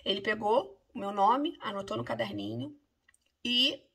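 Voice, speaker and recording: A woman's voice: medium pitch, wildly swooping pitch, measured pace, fairly bright tone, breathy edge. A Brazilian woman lawyer with a Brazilian Portuguese accent, recounting something that happened to her in an indignant, emphatic way. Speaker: immigration lawyer. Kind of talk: casual first-person account.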